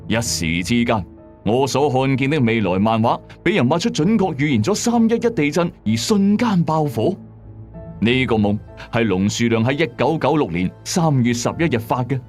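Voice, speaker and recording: A man with a Hong Kong Cantonese accent narrates like a late-night mystery host. His mid-pitched voice swings widely in melody, building suspense and dropping in chatty asides. Music plays softly behind him. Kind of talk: scripted storytelling narration. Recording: voice over background music. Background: music bed.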